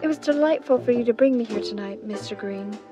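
A woman's voice: a little high, quick pace, loud music behind the voice, close to an everyday voice. A woman playing a poised, gracious society lady, slyly flirtatious, in a 1930s style radio drama. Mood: gracious charm. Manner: polite, gracious, artful.

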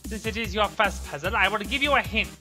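A woman voicing a boastful, excitable male skeleton who loves puzzles, pompous and theatrical, in a cartoon comic dub. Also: mid-range voice, quick pace, faint music behind, close to an everyday voice. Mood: boastful, commanding.

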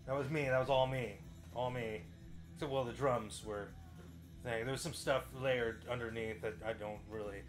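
A man in his forties with a mid-pitched voice talks casually to camera. He rambles and circles back on his own phrases for emphasis, with an offhand swear here and there. Faint music plays behind him. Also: a bit bright. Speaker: vlogger and musician. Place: small bedroom home studio, indoors.

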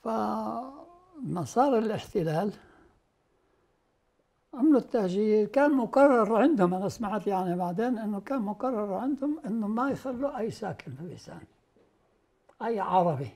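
Husky, dark-voiced Palestinian man in his nineties. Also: sits high, animated, moderate pace, pauses often. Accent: Palestinian Arabic. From Beisan, Palestine. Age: 90s. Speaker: interviewee recounting displacement. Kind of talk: oral history interview. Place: indoor living room.

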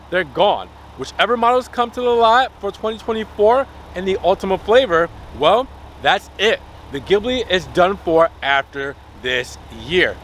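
Young male car-channel host, upbeat and chatty, higher-pitched, recorded outdoors on a lot with faint background noise. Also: fairly bright tone. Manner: chatty, upbeat, addresses viewers as guys. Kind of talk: casual car review to camera. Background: light wind and outdoor ambience.

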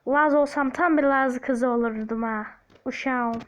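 A woman's voice: high-pitched, normal speed, muffled recording. A young woman playing a video game, chatting jokingly to her viewers in a put-on Black Sea Turkish accent. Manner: joking, chatty, talks to viewers, hums snippets. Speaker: gaming YouTuber. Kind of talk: casual gameplay commentary.

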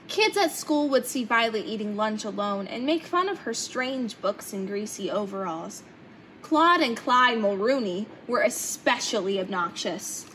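A young woman reading a children's picture book aloud in an expressive storytelling way. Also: a little high, measured pace, a little hiss or hum, poor audio. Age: young adult. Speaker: storybook reader. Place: indoor hangar-like museum room, seated in open cockpit.

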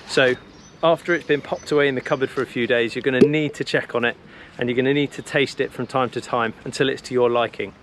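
A man's voice: mid-range voice, fairly even intonation, quick pace, noisy background. A man in his thirties giving an upbeat, practical outdoor how-to lesson as a bushcraft instructor, speaking on an action camera in the woods and a cabin. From England. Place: woodland camp and wooden cabin.

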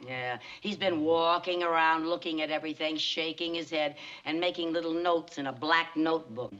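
An actress playing an eager, wisecracking secretary in a 1960s sitcom, with a quick, playful delivery. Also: female voice, low-pitched, fairly bright tone. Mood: chatty. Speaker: bank secretary. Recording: dull 1960s TV soundtrack, faint hiss.

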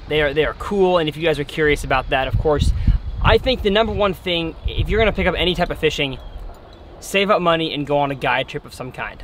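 A man's voice: on the high side, a bit bright, a little hiss or hum. A young man hosting a fishing channel, talking upbeat and directly to viewers from a boat on a lake. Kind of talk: casual interview and vlog talk.

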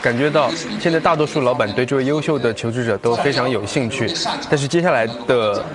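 A young man delivers commentary, fast talking in a mid-pitched voice. A very loud crowd sits behind him. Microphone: lapel.

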